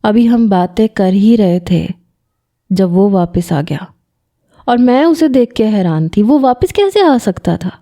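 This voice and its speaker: A woman's voice: medium pitch, expressive, dark tone. A woman narrating an emotional first-person audio story in an earnest way.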